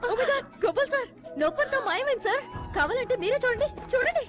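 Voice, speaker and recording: An actress dubbing a stubborn young woman camper who talks quickly and insistently. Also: very high-pitched, animated. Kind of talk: Telugu film dub. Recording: dull film dub with music.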